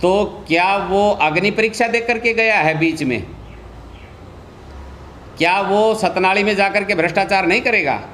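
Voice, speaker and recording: A man's voice: sits high, moderate pace, long pauses, fairly bright tone, a little hiss or hum. A man speaking as a local politician making a statement to reporters, insistent, repetitive and accusatory. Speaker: local politician and anti-corruption campaigner.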